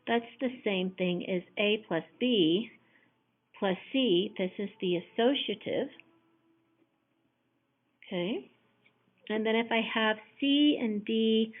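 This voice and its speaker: A woman math teacher with a hoarse voice walks through a lesson patiently, one step at a time. Her voice sounds thin and tinny, as though it came down a phone line. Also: mid-range voice. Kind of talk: recorded classroom lesson.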